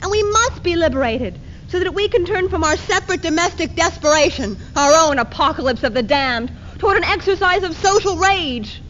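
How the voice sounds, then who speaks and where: A woman plays an angry women's liberation rebel with a high voice. Her theatrical oratory is biting and scornful. The archival sound is dull, with faint noise. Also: lively intonation, a little fast, few pauses, fairly bright tone. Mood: rousing. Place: live readers theater performance at a university.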